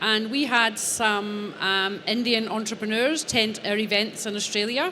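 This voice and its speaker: With a Scottish accent, a woman speaks in fairly even intonation against noticeable background noise. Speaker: business owner, panelist. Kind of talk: panel discussion.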